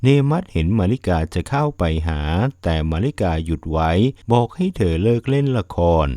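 A man narrating a plot recap of a drama in a steady, even storytelling manner. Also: fairly low pitch, moderate pace, no room sound, clean studio sound.

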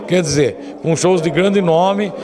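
A man's voice: fairly high pitch, slow pace, crowd noise. A man in his forties with a Brazilian accent, a rodeo organiser answering questions in a TV interview. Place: indoor lobby. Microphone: handheld interview microphone. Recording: people audible in the background.

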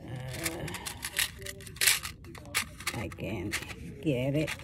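A woman talking slowly through a jewelry-making tutorial, thinking aloud as she works with her hands, with some non-native phrasing. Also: rumbling low, expressive. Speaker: craft video host. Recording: faint background noise.

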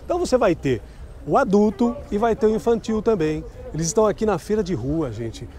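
Very animated and a little fast, a high, mellow male voice leads a night market vlog. The speaker, a middle-aged man from Brazil, promotes clothing and constantly asks sellers about prices in an upbeat sales style.

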